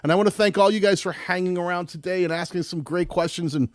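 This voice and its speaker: Loud-voiced man hosting a live stream. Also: sits high, fast, no echo. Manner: rambling, many restarts. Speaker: host. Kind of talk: live-streamed tutorial chat.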